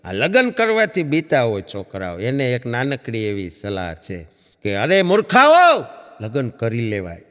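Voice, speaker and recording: Animated male comedian lecturing. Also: normal speed. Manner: mock-lecturing, lively swings in pitch. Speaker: stand-up comedian. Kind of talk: Gujarati stand-up advice bit. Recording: live stage in a hall.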